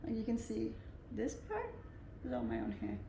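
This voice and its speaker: A woman's voice: mid-range voice, normal speed, reverberant, noisy background. A woman in her twenties with a Danish accent, chatting casually and laughing as she reads viewer comments on her stream. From Denmark. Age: 20s. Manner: relaxed, chatty, laughs often. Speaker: livestreamer.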